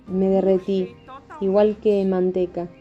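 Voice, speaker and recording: A woman's voice: mid-range voice, flat delivery, measured pace. A woman narrating a religious testimony in an earnest, emphatic way, as a preacher. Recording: dull lo-fi audio with faint music.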